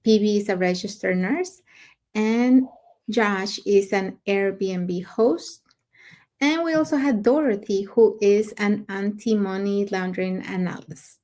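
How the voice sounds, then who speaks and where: A woman's voice: mid-range voice, takes it slowly, darkish tone. Cheerful woman announcing in mid voice. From Mexico. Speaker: podcast co-host. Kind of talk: casual podcast talk.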